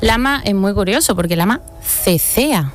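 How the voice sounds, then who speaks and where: A woman's voice: medium pitch, expressive, moderate pace, soft background music. A woman with a Sevillian accent, working as a speech therapist and explaining pronunciation. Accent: Sevillian Spanish. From Andalusia, Spain.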